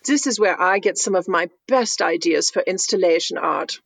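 A woman playing a dry, deadpan installation artist in a radio comedy sketch. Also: lowish voice, moderate pace, gravelly, dry recording.

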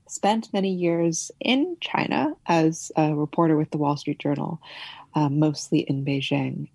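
Woman author from California, lowish voice, thoughtful, many fillers, dry close mic. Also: dry recording. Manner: thoughtful, with fillers and soft laughs. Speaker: author guest. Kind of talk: interview answers.

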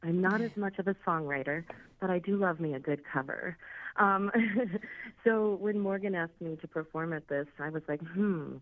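Guest spot: chatty woman singer, late thirties, deep voice, heard over a thin phone line. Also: normal speed, no echo. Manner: chatty, laughing, many ums. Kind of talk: casual interview chat.

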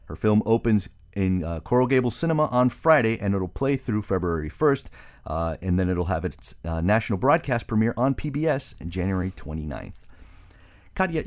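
A man hosting an interview, chatty, often restarting his questions with fillers. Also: lowish voice. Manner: warm-hearted, chatty, stumbles through questions. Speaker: radio interview host. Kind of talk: casual interview conversation.

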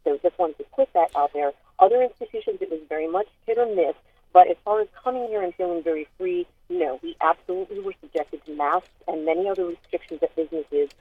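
A woman's voice: lowish voice, animated, quick pace, breathy edge, no room sound. A middle-aged woman calling in to a radio show over the phone, making a firm, corrective point. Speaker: caller. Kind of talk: call-in radio comment. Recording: tinny phone line.

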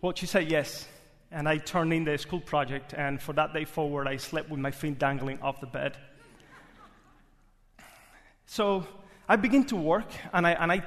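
A young man with a Cuban Spanish accent telling a personal story live on a theater stage, earnest and reflective, with bursts of excitement. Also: a little high. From Cuba. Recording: live theater with hall reverb.

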